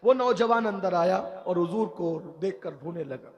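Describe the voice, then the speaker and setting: A man's voice: high voice, moderate pace. A man preaching a sermon, telling a story with passionate repetition. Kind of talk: religious sermon at a gathering.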